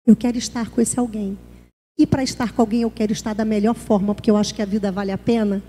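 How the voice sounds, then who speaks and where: A woman pastor speaks in a high, mellow voice. She talks conversationally at a church workshop and slips into little everyday dialogues. Her voice rings with a long reverb in a church hall.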